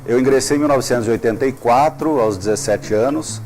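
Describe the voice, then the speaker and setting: A man, a prosecutor guest in a studio interview, speaking in a measured, formal way with frequent hesitations. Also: medium pitch, over music. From Brazil. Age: 50s.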